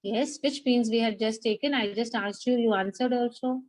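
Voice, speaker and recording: The audio is poor but echo-free as a woman with a South Asian accent runs a biology lecture, asking students questions and going over key points repeatedly. Her voice sits on the high side, steady and a little mellow, at a normal speed.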